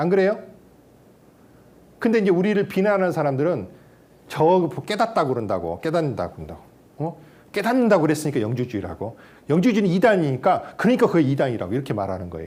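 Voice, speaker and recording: A man's fairly high voice with vocal fry, very wide pitch swings, a very fast pace and long, frequent pauses, in audible room echo. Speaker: pastor. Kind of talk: lecture. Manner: animated.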